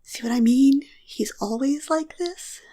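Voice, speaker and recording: High-voiced, flippant college student played by a woman. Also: measured pace, warm tone. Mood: flippant, casual. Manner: casual, joking. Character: flippant, easygoing young college student Keating. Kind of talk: audio drama romantic comedy dialogue.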